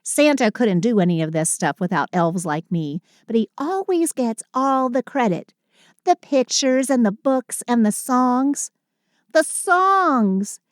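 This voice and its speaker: Sulky, affectionate female Christmas elf played by a woman for intimate roleplay audio; higher voice, close dry sound, dramatic but fond. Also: no room sound. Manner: dramatic sighing complaints softened by fond endearments.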